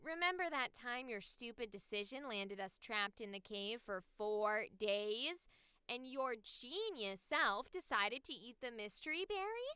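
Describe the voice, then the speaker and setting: A woman's voice: high-pitched, expressive, unhurried, pushed and bright, dry recording, clean studio sound, pitched above the performer's own voice, heavily acted. A woman voicing a snarky, exasperated young girl adventurer in a voice acting audition read. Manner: sarcastic, exasperated.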